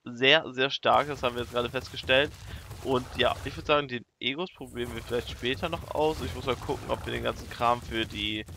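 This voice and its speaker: A man commentating his own gameplay in a casual let's-play style, animated and quick to shriek in panic when things go wrong. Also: mid-range voice, gravelly, slight background noise.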